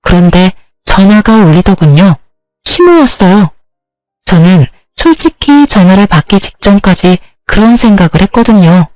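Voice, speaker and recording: A woman's voice: medium pitch, lively intonation, moderate pace, a little mellow, no room sound, low-quality recording. A woman narrating a first-person story about her family in a plain, confiding way.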